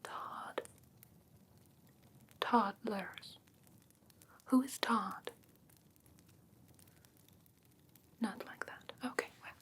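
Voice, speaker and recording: A woman playing a whimsical, politely haughty fae creature in an ASMR fantasy roleplay, whispering in a slow, breathy, soothing way close to the mic. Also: medium pitch, a bit bright, full character voice. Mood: puzzled, soothing. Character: whimsical female fae creature gently inspecting a human pet. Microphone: close ASMR microphone.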